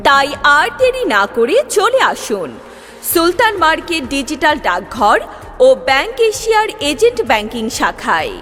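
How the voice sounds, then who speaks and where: A woman reading a street loudspeaker advertisement in a lively, declamatory announcing manner. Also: high-pitched, normal speed. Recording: long reverb with music bed. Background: music.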